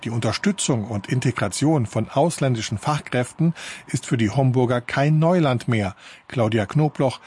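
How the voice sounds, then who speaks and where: A male reporter reading a scripted news feature in a measured, even way. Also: medium pitch, husky. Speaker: radio reporter.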